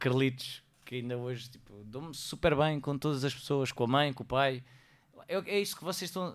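A man with an unremarkable speaking voice talks at a moderate pace with a fairly high pitch. His pitch variation is ordinary, and his loudness swings widely. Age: 30s. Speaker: actor. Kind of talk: casual chat.

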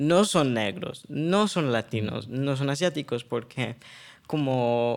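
Fairly slow and fairly high in pitch, a man talks with ordinary pitch variation. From New York, US. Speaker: university student. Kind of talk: casual interview.

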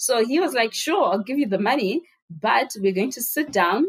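A woman speaks at a moderate pace, somewhat breathy, with lively intonation. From Zimbabwe, Harare. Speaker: entrepreneur, beauty brand founder. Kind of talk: interview.

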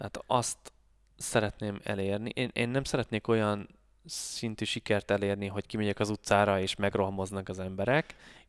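An unremarkable speaking voice from a man at a fairly low pitch, with fairly even intonation, on a very clean recording with a silent background and a dry, close sound with no echo. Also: moderate pace. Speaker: portrait photographer. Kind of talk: casual interview. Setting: photo studio.

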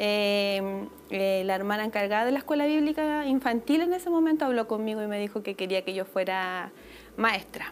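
A woman speaks at a moderate pace with a Chilean accent. Her pitch sits fairly high, with ordinary variation. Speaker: church women's ministry worker. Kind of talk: testimony.

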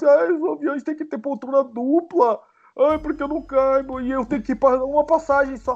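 A put-on character voice, female-sounding and whiny, runs high in pitch for a woman at a moderate pace. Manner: whining, crying, mocking.

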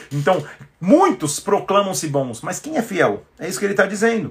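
An animated man's high voice with very wide pitch swings. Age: 40s. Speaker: pastor. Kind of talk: livestream Bible study. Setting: livestream.

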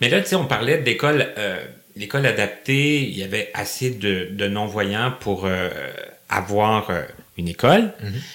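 A man with a Quebec accent, fairly low-pitched, at a fairly slow pace with ordinary pitch variation. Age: 40s. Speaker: podcast host. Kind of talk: interview.

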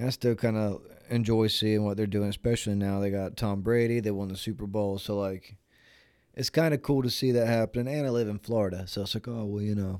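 A man with an American accent talks at a fairly quick pace in a fairly low pitch with a dark, mellow tone and fairly even intonation. The recording is very clean, with a silent background. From North Carolina. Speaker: solo podcaster. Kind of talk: casual monologue. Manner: rambling with many fillers; loud, ranting at end.

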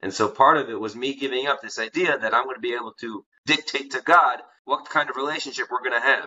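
Speaking very fast with an American accent, a man with a fairly high pitch shows ordinary pitch variation. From New York (Crown Heights, Brooklyn). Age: 30s. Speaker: podcast guest, religious convert. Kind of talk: interview.

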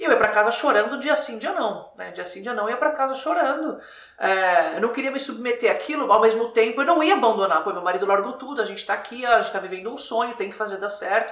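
A woman at a fairly high pitch, very fast with hardly any pauses, lively in intonation and with big swings in loudness, amid audible room echo and noticeable background noise. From Brazil. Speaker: corporate executive and former athlete. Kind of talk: interview.

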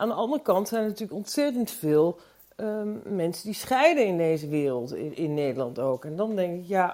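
A woman speaks at medium pitch with a dark, mellow tone. Her pitch swings very widely. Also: moderate pace. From Netherlands. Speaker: audience member. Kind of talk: casual chat.

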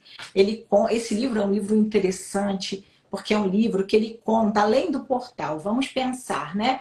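A woman speaks at a fairly slow pace, somewhat breathy. Her pitch is fairly high with ordinary variation. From interior of Rio de Janeiro state, Brazil (Macaé). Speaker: author and researcher. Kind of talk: casual interview. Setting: live video stream. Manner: halting, many hesitations.

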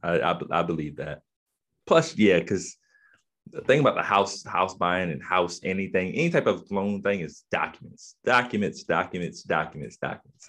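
A man with an American accent talks at a moderate pace in a fairly low pitch, using lively intonation and a normal speaking voice. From Eastern Shore, US. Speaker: podcast host. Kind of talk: casual chat.

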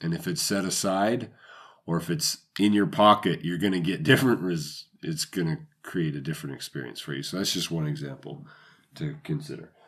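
A man speaks at a fairly quick pace in a very deep, low pitch with vocal fry and very wide pitch swings. The recording is very clean, with a silent background. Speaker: podcast host. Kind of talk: casual podcast talk.

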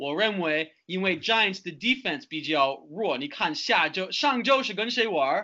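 Here a man speaks at a high pitch with very wide pitch swings. His pace is fairly slow, yet he takes hardly any pauses. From US, Buffalo, New York. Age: 30s. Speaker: podcast co-host, football fan. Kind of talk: casual chat.

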